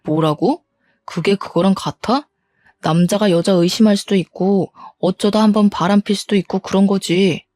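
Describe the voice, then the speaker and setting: A woman's voice: medium pitch, steady tone, normal speed, darkish tone, dry recording, lightly acted. A woman voicing a cheating middle-aged husband who turns the blame on his wife. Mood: defensive scorn. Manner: dismissive, scolding.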